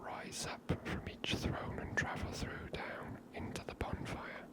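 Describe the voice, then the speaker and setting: A woman whispers her way through a video game as an ASMR host. Her voice is breathy and unvoiced, and her commentary is chatty and unscripted. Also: unhurried.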